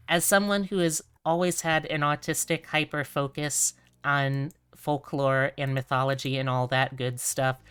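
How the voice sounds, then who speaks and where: Female game streamer with a low voice, relaxed casual chat and narration over soft music. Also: smooth. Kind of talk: casual livestream chat and visual novel read-aloud.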